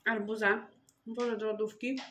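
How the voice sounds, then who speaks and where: A woman's voice: fairly high pitch, level tone, normal speed, fairly bright tone, a little hiss or hum. A woman vlogger chatting casually to her viewers, thinking aloud as she unpacks groceries in a home kitchen.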